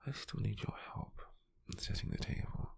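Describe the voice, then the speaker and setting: A British man playing a gentle, doting wizard sweetheart in an intimate ASMR roleplay, speaking in a breathy, husky near-whisper with a tender, hesitant, teasing manner. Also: normal speed, a little hiss or hum, lightly acted. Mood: softly teasing.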